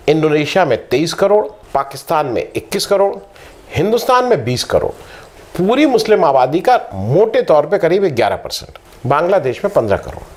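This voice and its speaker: A man's voice: on the high side, darkish tone. A middle-aged man giving a lecturing talk, reeling off statistics with fillers and restarts. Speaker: political commentator. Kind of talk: explanatory talk to camera.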